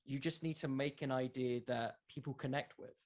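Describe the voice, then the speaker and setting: Man, podcast guest, medium pitch, conversational, emphatic, self-deprecating, casual interview style. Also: fairly even intonation, moderate pace. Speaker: podcast creator being interviewed.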